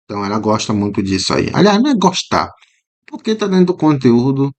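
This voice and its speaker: A man's voice: medium pitch, big pitch swings. Brazilian man explaining exam questions. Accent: Brazilian Portuguese. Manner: explanatory, frequent "né?" tags, repeats words slowly to model pronunciation. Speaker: teacher. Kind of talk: commented exam walkthrough.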